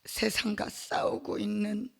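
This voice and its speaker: A middle-aged woman giving an emotional personal testimony at a church gathering, halting, with many fillers and small laughs between phrases. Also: mid-range voice, monotone, creaky.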